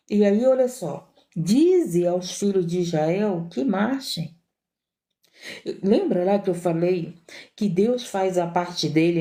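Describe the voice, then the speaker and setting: A woman missionary with a Brazilian Portuguese accent preaches a fervent sermon, full of repetition and direct appeals to her listeners. Her voice is mid-range with a dark tone.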